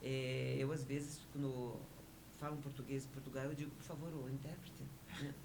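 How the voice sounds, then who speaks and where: Radio guest, woman, native Spanish speaker, measured explainer, noticeable hiss on the line. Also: rumbling low, little pitch movement. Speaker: interview guest, honorary consul. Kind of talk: radio interview conversation.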